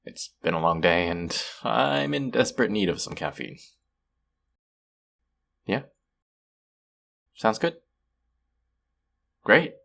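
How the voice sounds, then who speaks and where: Man acting deep-voiced awkward, sweet nervous rambler. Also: animated, slow, gravelly, pauses often, exaggerated voice. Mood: relieved, friendly. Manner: rambling, hesitant, self-deprecating, soft chuckles. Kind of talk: intimate one-sided audio roleplay, conversational.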